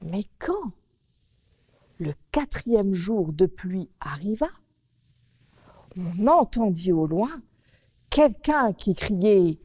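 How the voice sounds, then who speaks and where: Expressive female children's storyteller. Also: mid-range voice, extremely slow, pauses often, breathy edge, dry recording, studio quality, big-room sound. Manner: expressive, animated.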